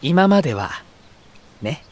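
A man playing an unruffled, poetic young younger brother in a voice drama, elegant and gently persuasive. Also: fairly high pitch, big pitch swings, slow pace, no echo. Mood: serene. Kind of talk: Japanese voice drama acting.

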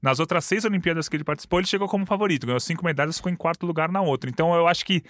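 A man in his thirties with a Brazilian Portuguese accent, talking sports in a casual chat, quick and full of stats. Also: on the high side, a bit bright, no echo, clean studio sound. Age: 30s. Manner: quick, detailed stats-heavy talk. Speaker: sports commentator.

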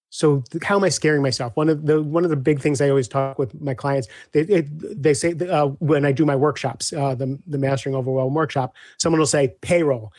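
A man speaking as a guest coach in a casual interview, animated, acting out back-and-forth dialogues with clients. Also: on the high side, no echo, studio quality.

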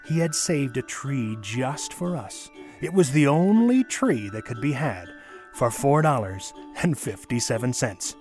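Male storyteller giving a measured dramatic reading over music. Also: medium pitch, lively intonation, a little mellow. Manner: measured, with deliberate pauses and emphasis. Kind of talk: dramatic reading of a nostalgic memoir.

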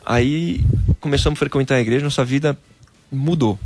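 A man from Brazil, a former footballer, telling a personal faith story in a casual interview, animated and peppered with "cara". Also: mid-range voice, fairly quick, dry recording.

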